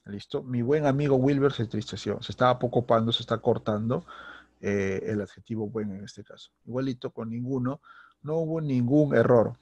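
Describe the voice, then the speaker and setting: A man's voice: mid-range voice, fairly even intonation, moderate pace, darkish tone, no echo, dull audio. A Peruvian man teaching a recorded grammar lesson, who keeps checking in with the student and restarts his phrases often. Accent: Peruvian Spanish. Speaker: secondary school teacher.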